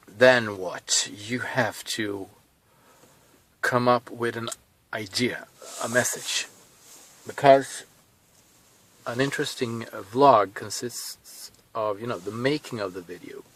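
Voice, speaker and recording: A vlogger in his thirties with a Swedish accent talks casually to camera from inside a car, thinking aloud with pauses and restarts. His voice is medium-pitched and fairly bright, and the audio quality is poor.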